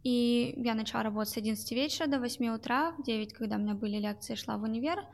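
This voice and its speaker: A woman's voice: on the high side, very fast, gravelly. A young woman, a guest in an interview, describing her work at a call center, speaking with many hesitations and fillers. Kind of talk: interview answers.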